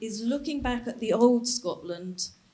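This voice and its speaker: A woman is speaking. Noticeable background noise is audible behind her. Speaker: audience member. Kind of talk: public debate question.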